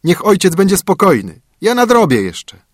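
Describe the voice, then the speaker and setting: A quick-witted young student, pitched up and eager, with a husky edge, as a storyteller puts him on. His lines leap around in pitch. The recording is dry and close. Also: wildly swooping pitch, no room sound, full character voice. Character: clever, calm young male student. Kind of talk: storybook reading.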